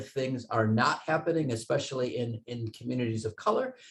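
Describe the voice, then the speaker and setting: A somewhat breathy male voice at a moderate pace. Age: 60s. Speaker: podcast host, medicine professor. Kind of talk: casual chat.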